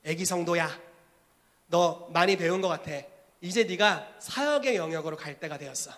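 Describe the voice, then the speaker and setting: A man's voice: on the high side, normal speed, a bit bright, big-room sound. A man playing a male apostle who sends a young believer out in an authoritative, commissioning way.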